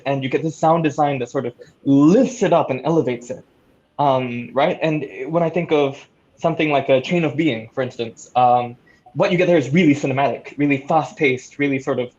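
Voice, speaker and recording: The audio is a bit muffled, and the voice is a man's, pitched somewhat high. He speaks casually as a panelist, with eager, encouraging energy. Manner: excited, encouraging. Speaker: audio drama creator and panelist.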